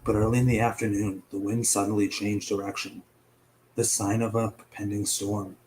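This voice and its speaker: A young man narrates his casual web mystery show in a lowish, darkish voice, delivered flatly at normal speed. He chats with a bit of profanity, fumbles names, coughs, and sounds partly voiceless. The audio is poor, with a little hiss or hum.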